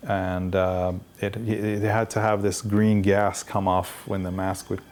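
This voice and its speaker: A man in his fifties from Iran, a visual effects artist recalling his career in a documentary interview, telling it in a reflective, unhurried way with small restarts. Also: fairly low pitch, little pitch movement, slight background noise. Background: soft guitar music.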